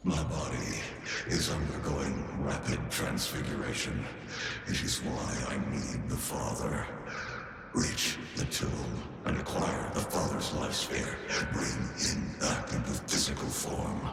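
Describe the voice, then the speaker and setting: An actor playing a solemn, commanding ancient celestial being in a video game cutscene, speaking in a grave, formal manner. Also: male voice, very deep voice, slow, vocal fry, very noisy, exaggerated voice. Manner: grave, formal, imperious speech. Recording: roomy echo, distant, loud music behind.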